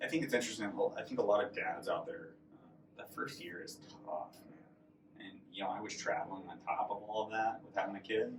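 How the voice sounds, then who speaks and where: A man speaks at a fairly quick pace, his loudness swinging widely. The room echo is audible. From Wyoming. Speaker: navy veteran and business owner. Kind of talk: casual chat.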